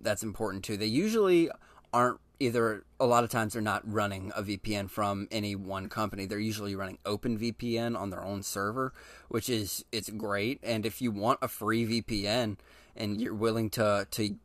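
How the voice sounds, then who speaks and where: A man's voice: fairly low pitch, dry recording. Chatty man hosting a solo podcast. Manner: relaxed, chatty, with frequent ums and restarts; addresses listeners directly and informally. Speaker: podcast host. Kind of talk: casual solo podcast monologue.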